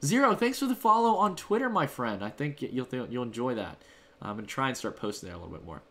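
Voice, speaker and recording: Man, livestream host, rambling chat, thanking viewers, mid-pitched voice, at home. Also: sing-song, fast talker, a bit bright. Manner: thanks donors and answers chat in a loose, rambling way. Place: home room.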